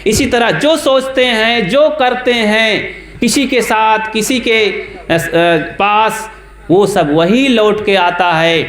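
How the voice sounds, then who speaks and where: A man's voice: high voice, slow pace, fairly bright tone, roomy sound. A man preaching a folksy storytelling sermon at a satsang, often putting questions to his listeners.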